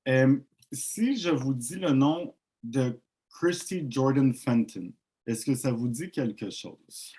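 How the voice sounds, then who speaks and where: A man introduces books to an audience and reads from them. His voice is mellow and slightly husky. He speaks in an easygoing, unhurried way. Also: mid-range voice. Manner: relaxed, conversational, reads passages aloud slowly. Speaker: book presenter. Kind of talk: presentation with read-aloud.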